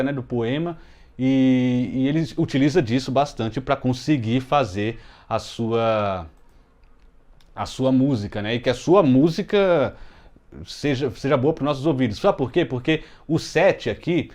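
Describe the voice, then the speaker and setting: A Brazilian man in a mid-range voice walks through a music lesson step by step. He talks casually, often adding "né?" to check in, and slows right down when he scans each verse syllable by syllable. He records from a room at home with the window shut. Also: medium pitch, darkish tone. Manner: explains step by step, many "né?" tags, slow deliberate scanning of verses. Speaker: music teacher, channel host. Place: home room with closed window, children heard outside.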